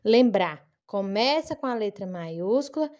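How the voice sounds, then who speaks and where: A woman teaching a children's lesson, speaking slowly and clearly in a sing-song manner for young kids. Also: mid-range voice, expressive, darkish tone, muffled recording. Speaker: primary school teacher. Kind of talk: recorded online lesson for children.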